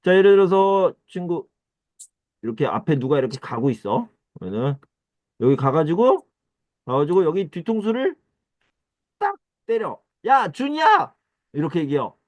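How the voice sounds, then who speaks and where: A man teaching Korean grammar in an online lesson, repeating phrases slowly and acting out little dialogues in a higher, excited voice. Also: no room sound, dull audio.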